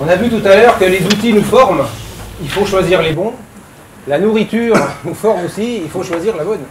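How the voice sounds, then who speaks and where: At a moderate pace, a man talks over noticeable background noise. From eastern France. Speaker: company CEO. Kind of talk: conference talk. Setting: stage with audience. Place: hall. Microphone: lapel.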